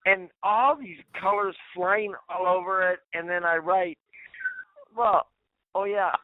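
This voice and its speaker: A man leaving a rambling voicemail over the telephone, talking in a halting, repetitive, drawn-out way. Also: high-pitched, steady tone, dry recording. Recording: tinny phone-line voicemail.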